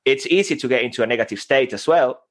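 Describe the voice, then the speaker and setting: A man's voice: medium pitch, quick pace. A man with a Venezuelan Spanish accent, a native Spanish speaker, talking with energy and passion as a guest in an interview. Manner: passionate, animated, breaks into loud playful voices. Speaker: guest, voice coach.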